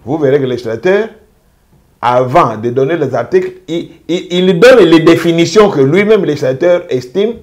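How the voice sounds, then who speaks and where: A man speaking as a jurist, making a measured, emphatic legal argument and driving points home by repeating them. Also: a little high, expressive. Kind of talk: interview commentary.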